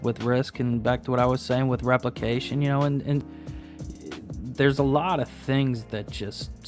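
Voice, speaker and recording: A man in his late thirties hosting a casual chat over drinks, rambling and restarting his sentences. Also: medium pitch. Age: 30s. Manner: rambling, restarts and repeats words. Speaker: host.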